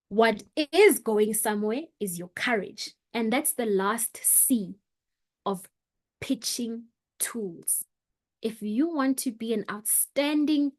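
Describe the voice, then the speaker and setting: A woman coaching an online workshop on public speaking, talking with expressive shifts in volume and pace for emphasis. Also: fairly high pitch. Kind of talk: motivational online workshop talk.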